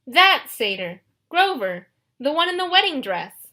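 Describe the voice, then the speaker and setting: A woman voicing a fierce, brash teenage girl who yells defiantly. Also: on the high side, big pitch swings, slow. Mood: furious. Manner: loud, defiant yelling.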